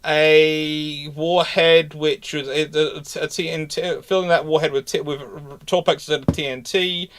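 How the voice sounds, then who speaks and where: A man hosting an unscripted question-and-answer talk, speaking emphatically but haltingly, doubling back and repeating himself to stress points. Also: on the high side, little pitch movement, a bit bright. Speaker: naval history host answering live questions.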